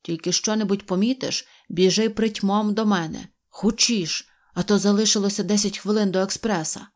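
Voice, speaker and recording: A woman's voice: medium pitch, fairly even intonation, normal speed, natural voice. A woman voicing a worried male railway switchman giving urgent orders to his son in an audio fairy tale. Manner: urgent, commanding.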